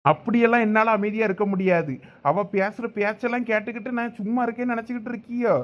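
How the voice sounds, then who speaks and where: A man's voice: high-pitched, steady tone, fast, dull audio, lightly acted. A man playing a protective village husband with a Thoothukudi Tamil accent, talking defiantly. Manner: defiant, insistent.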